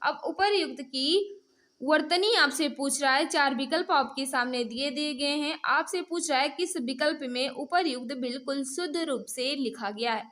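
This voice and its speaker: Female online tutor, high voice, interactive mock-test delivery, repeatedly prompting learners and addressing them directly. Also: normal speed, a bit bright. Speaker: teacher hosting an online exam-prep class. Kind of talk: interactive mock-test lesson, quizzing viewers.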